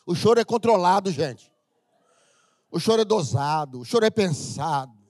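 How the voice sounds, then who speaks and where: A middle-aged Brazilian man preaching a humorous, animated sermon as pastor of a church, sometimes breaking into shouts. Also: high voice, normal speed, no room sound. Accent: Brazilian Portuguese.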